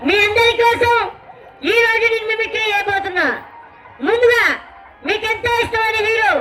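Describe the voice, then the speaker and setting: A man doing stage comedy with short deadpan retorts. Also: very high voice, normal speed, rough recording. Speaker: comedian and mimicry performer. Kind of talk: live stage comedy banter.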